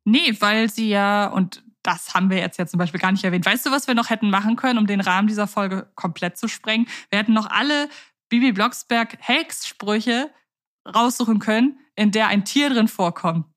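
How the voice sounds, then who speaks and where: A woman co-hosting a podcast. She talks in a chatty, lively way and laughs easily. Her voice sits in a middle pitch. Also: moderate pace. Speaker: podcast co-host. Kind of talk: casual chat about radio plays.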